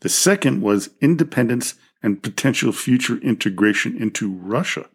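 A man's voice: medium pitch, lively intonation, normal speed, husky. A man hosting a history podcast, reading a scripted narration with the odd slip and self-correction. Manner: reads from a script with small slips and self-corrections. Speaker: podcast host.

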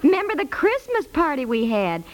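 American housewife, high voice, swooping intonation, affectionate, fretful, 1950s radio comedy. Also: female voice, huge pitch swings, normal speed, a crowd in the background. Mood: amused reminiscing. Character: lively wife, affectionate, teasing, easily fretted housewife. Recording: noisy vintage 1950s radio recording.

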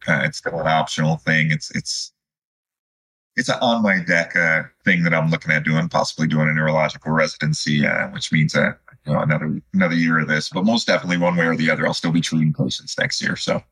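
A man in his fifties from Chicago speaks as an interview guest. His voice is low, husky and forceful, and he talks in a reflective, conversational manner with a halting flow. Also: fairly even intonation. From Chicago, United States. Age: 50s. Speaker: podcast guest, student physical therapist.

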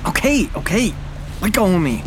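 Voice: mid-range voice, big pitch swings, normal speed, natural voice. An actor playing a stubborn, impulsive young stowaway in an audio drama, defiant and insistent. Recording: loud boat engine noise.

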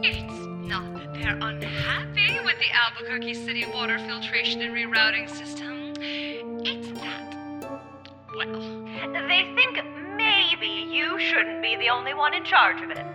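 A woman's voice: sits high, big pitch swings, a little slow. An actress playing a stern woman official giving an order. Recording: long reverb with loud music.

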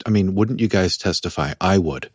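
A male author speaks as a studio guest in a low, calm voice. He is reflective and gentle. The recording is dry and close. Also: normal speed, dry recording. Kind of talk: studio interview.

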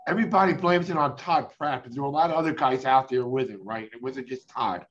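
A man's voice: medium pitch, fast talker. A male sports interviewer asking long rambling questions with restarts. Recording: dull lo-fi sound with faint noise.

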